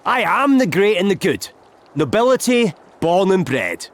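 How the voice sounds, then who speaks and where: An actor with a Scottish accent playing a breezy, boastful noble-born traveller in a video game, chummy and bluff. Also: male voice, high voice, big pitch swings, unhurried. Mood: indignant, boastful.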